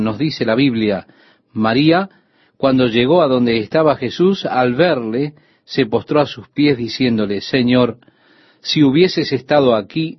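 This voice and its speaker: A man preaching a radio devotional, reading scripture slowly and deliberately. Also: mid-range voice, breathy edge, no room sound, dull audio.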